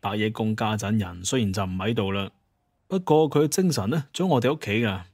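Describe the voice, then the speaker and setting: Flattering head-of-household son, played by a man, audio drama: low, placating, dry close recording. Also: brisk, no room sound. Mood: coaxing. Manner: coaxing, flattering.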